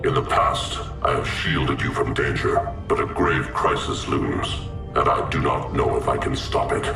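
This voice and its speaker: An actor playing an ancient, grave mystic spirit in a game cutscene, intoning in a hushed, breathy, solemn way. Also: male voice, very deep voice, a little slow, heavily acted. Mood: ominous. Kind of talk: video game cutscene acting. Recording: echoey distant voice over loud game music.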